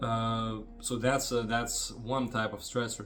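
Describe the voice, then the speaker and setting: A man with a Lithuanian accent, medium in pitch and fairly slow in pace, with audible room echo. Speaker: health coach. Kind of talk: informal talk to camera. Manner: halting, many fillers.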